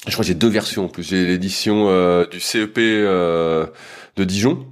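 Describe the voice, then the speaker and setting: Man, strength coach, lowish voice, casual explanation, lots of fillers. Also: normal speed, clean tone. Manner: loose, hesitant delivery with frequent fillers.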